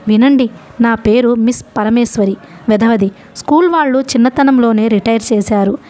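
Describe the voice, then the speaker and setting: A woman's voice: normal speed, dark tone, lightly acted. A woman voicing a touchy old spinster, a retired schoolteacher, who scolds fussily. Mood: scolding. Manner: scolding, shrill and fussy.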